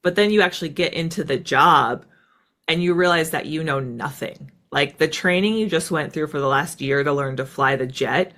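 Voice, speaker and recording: At a moderate pace, a woman from the United States speaks in a deep, slightly bright voice. She's a former fighter pilot being interviewed, reflecting casually on her past and frequently dropping in "like" and "right."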